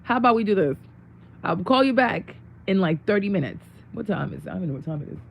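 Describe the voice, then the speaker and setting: A young woman with a worn-out, hoarse voice chatting casually with viewers on her livestream, greeting them and laughing often. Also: mid-range voice, animated, quick pace, highs cut off, slight background noise. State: losing her voice. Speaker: livestream host. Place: home room.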